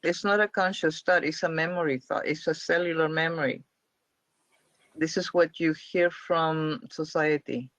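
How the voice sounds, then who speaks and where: A man's voice: a little high, fairly even intonation, moderate pace, fairly bright tone, dry recording. A man leading a spiritual question-and-answer class, explaining emphatically and repeating his points. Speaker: spiritual teacher. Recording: dull lo-fi dry sound.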